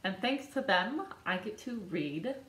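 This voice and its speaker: A woman in her thirties, a children's librarian, singing a picture book for babies at home in a slow, bouncy sing-song with sound effects. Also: medium pitch, lively intonation, a bit bright, reverberant, poor audio. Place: living room with a couch and a decorated wall.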